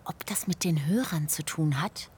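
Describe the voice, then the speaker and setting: An actress playing a curious, cheeky hiker in an audio drama, chatty and full of questions. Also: female voice, low-pitched, normal speed, darkish tone, breathy edge. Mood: wondering. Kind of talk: scripted audio drama dialogue.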